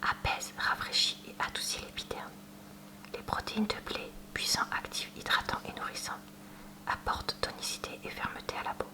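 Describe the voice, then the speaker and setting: A woman speaking in a soft, breathy whisper, presenting products in an unhurried ASMR unboxing style with hesitant asides. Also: rough recording. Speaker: ASMR video creator showing purchases. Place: at home.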